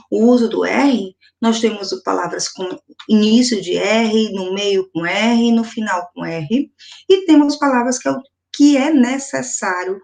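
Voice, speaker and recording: A woman with a Brazilian accent teaching a first-grade video lesson, speaking slowly and emphatically and repeating each example word. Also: fairly high pitch, creaky. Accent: Brazilian Portuguese. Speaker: primary school teacher.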